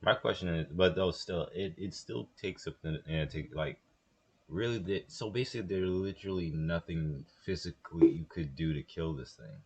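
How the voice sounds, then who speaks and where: A man's voice: low-pitched, moderate pace, darkish tone, slightly rough. A young man co-hosting a reaction video, rambling and hesitant in casual chat. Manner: rambling, hesitant, restarts often.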